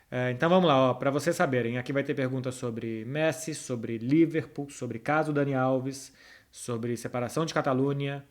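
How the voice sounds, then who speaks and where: A man with a Brazilian Portuguese accent talking informally and directly to his audience as the host of a football chat. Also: mid-range voice. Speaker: host answering viewers' football questions. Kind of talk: casual chat to followers, football analysis.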